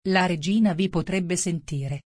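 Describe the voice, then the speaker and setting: A woman voicing a timid, anxious male white rabbit who speaks hushed and hurried. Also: fairly low pitch, dry recording, clean studio sound. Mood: nervous.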